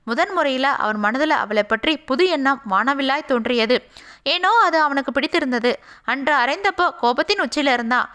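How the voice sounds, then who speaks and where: A woman narrating a romance audio novel in a steady, expressive reading. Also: sits high. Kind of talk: scripted narration.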